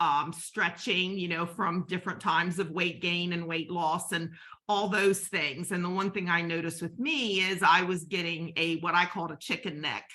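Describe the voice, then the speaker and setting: A woman with a fairly low pitch talks in an ordinary speaking voice, keeping fairly even intonation at a moderate pace. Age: 60s. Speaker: product user giving testimonial. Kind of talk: testimony.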